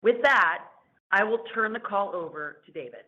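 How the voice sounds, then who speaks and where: A woman reads a prepared legal disclaimer in a businesslike, formal tone. Her pitch is average for a woman, and the sound is narrow, like a conference phone line. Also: animated, normal speed, sharp tone. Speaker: investor relations presenter. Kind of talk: scripted legal disclaimer reading.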